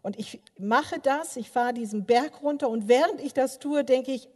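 An older woman giving a sermon, telling personal stories in an animated way with many filler sounds and speaking straight to her listeners. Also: sits high, normal speed. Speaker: preacher. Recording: long reverb of a large hall.

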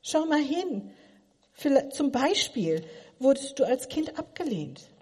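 A woman's voice: high voice, big pitch swings, a little slow, a little mellow. Woman preaching in a reverberant hall. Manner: earnest, probing questions to listeners. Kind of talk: sermon.

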